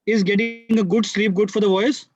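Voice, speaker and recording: A man's voice: high-pitched, little pitch movement, normal speed, dry recording. A man asking short interview questions, sometimes stumbling over his words. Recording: dull, dry lo-fi audio.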